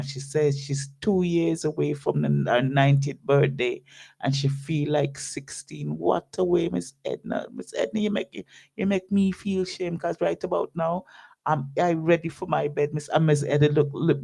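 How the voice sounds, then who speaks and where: A man's voice: medium pitch, creaky, warm tone. A man hosting a radio show, signing off in a laid-back patter with speech and plenty of fillers. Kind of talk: casual radio sign-off.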